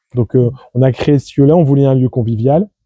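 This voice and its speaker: Fairly quick in pace, a man speaks at medium pitch with fairly even intonation. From northern France, Roubaix area. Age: 40s. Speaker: bookshop owner. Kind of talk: interview. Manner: halting.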